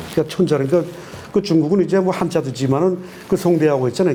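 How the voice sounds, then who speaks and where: A man with a Pyongan accent, fairly high-pitched and very fast, over noticeable background noise. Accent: Pyongan (Sinuiju) North Korean intonation. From North Korea, Sinuiju (Pyongan). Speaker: North Korean defector, arts association head. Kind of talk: interview testimony.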